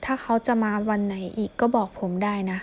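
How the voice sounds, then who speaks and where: A woman's voice: mid-range voice, fairly even intonation, a little fast, lightly acted. A woman voicing an anxious, sulky young man who pleads and protests in a raised, insistent voice.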